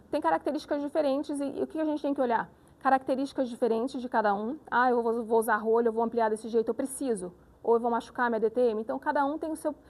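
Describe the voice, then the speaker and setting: Leading voice exercises in a live lecture, a high-pitched female speech therapist stays animated and demonstrative and often checks in with her audience.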